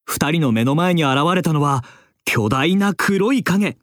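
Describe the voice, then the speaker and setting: A man narrating a children's storybook drama in an expressive, drawn-out, dramatic manner. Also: on the high side, no room sound, studio quality.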